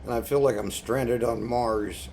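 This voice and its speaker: A man's voice: mid-range voice, steady tone, unhurried, a little mellow. A man chatting casually as a video blogger through an unboxing, with a wry manner and an irritated throat. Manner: wry, chuckling at own remarks. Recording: noticeable background noise.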